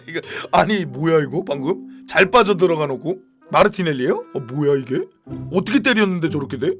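A man streaming a football match, reacting live with chatty commentary and bursts of shouting at the big moments. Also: on the high side, huge pitch swings, measured pace, loud music behind the voice.

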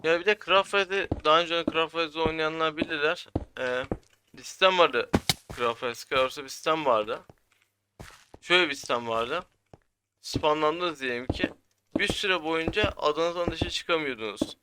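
A man's voice: a little high, moderate pace. A young man giving casual gameplay commentary as a gaming YouTuber. He keeps grumbling and repeating how frustrated he is. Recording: loud background noise.

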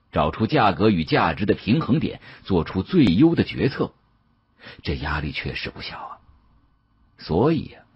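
Husky, deep-voiced male storyteller. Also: no echo, lo-fi sound. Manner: colloquial, expressive storyteller. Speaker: audiobook narrator. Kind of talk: dramatised first-person storytelling.

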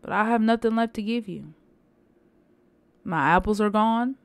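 A woman voicing a loving, selfless female apple tree in a storybook, with a gentle, giving manner. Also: mid-range voice, measured pace, clear, resonant tone, dry recording, lightly acted. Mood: apologetic.

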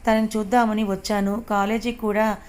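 A woman's voice: medium pitch, little pitch movement, a little fast, natural voice. A woman voicing an obsessive young man in a storybook. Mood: friendly. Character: young male college student, obsessive, menacing.

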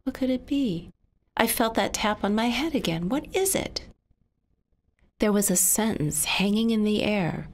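A woman slowly voicing a signed story aloud, her voice often dropping to a hushed whisper. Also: medium pitch.

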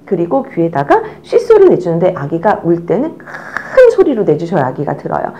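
A middle-aged woman teaching parents how to soothe a crying baby, demonstrating as she talks and sometimes dropping to a soft whisper. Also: on the low side, moderate pace, dull audio, slight background noise. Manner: animated, demonstrating with an instructor's cues; drops to a soft whisper while the baby settles. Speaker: baby care instructor. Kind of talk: instructional demonstration.

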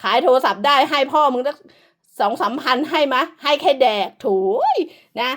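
Woman, high-pitched, harsh profane rant, insulting, scolding commentator. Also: expressive, normal speed, fairly bright tone. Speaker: online commentator.

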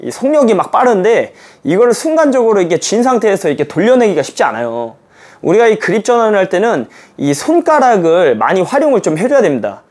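A man with a high, lively voice gives a badminton lesson to camera. He talks casually and demonstratively, full of small fillers as he shows each move. His pitch swings widely from phrase to phrase. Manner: animated, demonstrative, many fillers like "이렇게" and "아". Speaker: badminton coach.

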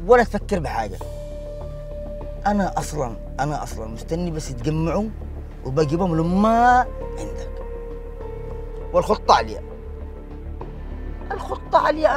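An actor playing a scheming man on the phone, Yemeni-accented, reassuring and plotting. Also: fairly high pitch. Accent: Yemeni Arabic. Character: scheming male fixer on the phone. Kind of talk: TV drama acting. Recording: music behind the voice.

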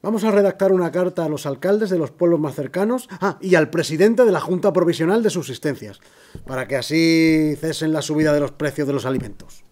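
A man's voice: on the high side, brisk, a little mellow, close to an everyday voice. A man playing a dismissive, irritable city mayor in a radio drama, brusque and commanding. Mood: worried, decisive. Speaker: actor in audio drama.

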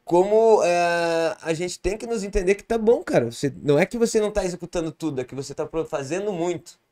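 Casting: man in his thirties, fairly high voice, loose slangy rambling podcast talk, close boom mic in a small studio. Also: brisk, dark tone. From Santa Catarina, Brazil. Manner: slangy, rambling, many fillers and restarts; gestures a lot with his hands. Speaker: podcast guest, comedian and producer. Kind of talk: casual podcast conversation.

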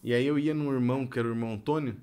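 A man's voice: mid-range voice, rapid-fire, clear, resonant tone. A man from Brazil hosting a music podcast, chatting casually with his guest, chiming in and acting out quoted people. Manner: lively, chimes in, laughs, acts out quotes. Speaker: podcast host, music teacher. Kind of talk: casual interview chat.

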